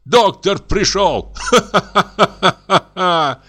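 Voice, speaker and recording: A man's voice: on the high side, lively intonation, normal speed, a bit bright, pitched above the performer's own voice. A male narrator voicing an enraged mental patient who shrieks and mocks in a raised, strained voice. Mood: mocking. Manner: shrieking, accusing, mocking.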